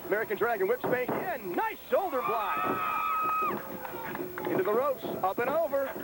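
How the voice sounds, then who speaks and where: A man calling a wrestling match play-by-play in quick, excitable commentary, heard from a worn VHS tape copy. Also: very high-pitched, over loud music, low-quality recording. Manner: excitable, quick color talk. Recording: hissy worn videotape rip.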